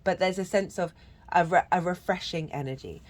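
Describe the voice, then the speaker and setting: Here a woman with a fairly low pitch and normal pacing delivers a channelled tarot reading while stuffed up from a cold. Earnest but rambling, she keeps starting over and lapsing into chants.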